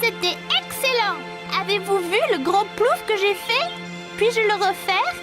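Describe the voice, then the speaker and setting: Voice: extremely high pitch, over loud music. A performer playing a curious, polite and slightly timid four-year-old boy in a French children's cartoon. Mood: excited. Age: child character. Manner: simple, eager, slow-paced childlike speech.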